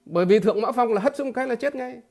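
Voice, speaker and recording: A man giving a political commentary monologue to his viewers, halting and repeating filler words, emphatic and blunt. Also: extremely high pitch, a little mellow. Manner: emphatic, with blunt crude imagery.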